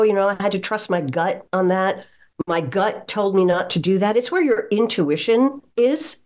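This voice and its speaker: A woman's voice: mid-range voice, a little mellow. A woman speaking as a voice coach in an interview, explaining in an instructive way with emphasis on key phrases. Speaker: voice coach, guest. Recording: slightly dull, muffled audio.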